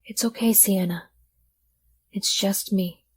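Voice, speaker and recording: Practical, medium-pitched heroine, played by a woman. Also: steady tone, slow pace, slightly rough. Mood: soothing.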